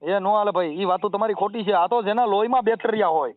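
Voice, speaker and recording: A man with a Gujarati accent lecturing forcefully in a heated phone argument, repeating phrases and quoting folk sayings. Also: high voice, fast, dry recording. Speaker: social activist on a phone call. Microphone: telephone line. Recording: tinny, narrow-band phone call recording.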